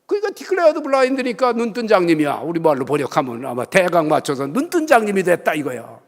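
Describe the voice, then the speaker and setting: An older man preaching a Sunday sermon, telling a personal story and slipping into the voices of the people in it. His voice sits high for a man, and it rises to loud cries at its peaks. A long church reverb trails behind every phrase. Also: wildly swooping pitch, fairly quick. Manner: storytelling, acts out quoted voices, rises to shouts. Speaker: pastor emeritus. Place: church sanctuary.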